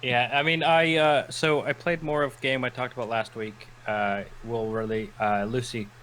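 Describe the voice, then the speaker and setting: A man's voice: mid-range voice, normal speed, slight background noise. A man co-hosting a casual gaming podcast, rambling through stories and acting out quotes as he goes. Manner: rambling, animated storytelling with acted-out quotes. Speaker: podcast co-host. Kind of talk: casual chat.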